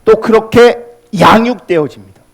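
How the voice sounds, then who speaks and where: A male pastor preaching a sermon with passion, swinging between loud, urgent peaks and hushed, quiet lines. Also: sits high, normal speed.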